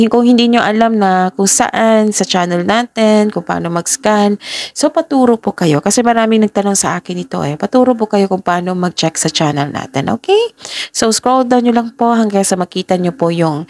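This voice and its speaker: A woman from the Philippines giving a casual tarot reading to camera, stuffy with a cold, talking in a chatty, halting way with frequent pauses. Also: medium pitch, a little mellow, no echo. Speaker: tarot reader.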